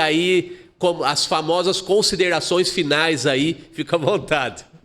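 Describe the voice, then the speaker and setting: The delivery moves at a fairly slow pace with ordinary pitch variation. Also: man, very even loudness. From São Paulo countryside, Brazil. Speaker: podcast host. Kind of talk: casual interview chat.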